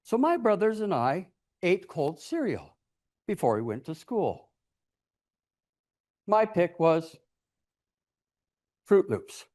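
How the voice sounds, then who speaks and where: Animated man telling a theatrical tall tale. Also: high voice. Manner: dramatic, deliberate delivery with acted-out voices. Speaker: club storyteller giving a speech.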